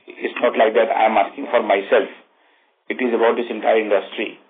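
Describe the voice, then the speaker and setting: A man with an Indian accent answering investor questions as a company executive on an earnings call, in a halting way, rephrasing mid-thought. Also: lowish voice, little pitch movement, slightly rough. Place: conference phone call. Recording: muffled narrow phone line.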